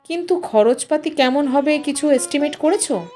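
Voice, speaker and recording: Audio story wife and mother, middle-aged, coy, mock-scolding woman narrator performing, highish voice over music. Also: moderate pace, dark tone, natural voice. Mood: doubtful, curious.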